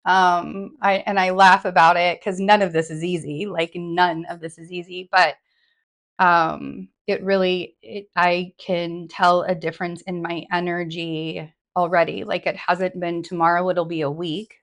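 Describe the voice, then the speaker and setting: Woman, hoarse, froggy rasp, slightly low pitch, rambling casual talk, lots of fillers. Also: level tone, unhurried, a bit bright. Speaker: tarot reader and vlogger. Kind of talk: casual update to viewers. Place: home in New York.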